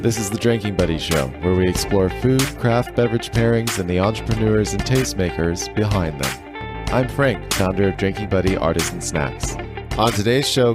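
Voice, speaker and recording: A man hosting a food and drink podcast, reading his intro and asking guests questions in a steady delivery. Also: fairly low pitch. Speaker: podcast host. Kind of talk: scripted intro then interview questions.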